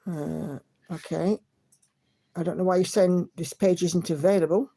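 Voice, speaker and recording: A woman's voice: lowish voice, steady tone, a little slow, gravelly, dark tone, slightly rough. Chatty woman hosting a stream. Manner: chatty and encouraging, hums to herself. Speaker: livestream host. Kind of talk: casual chat reading viewer comments.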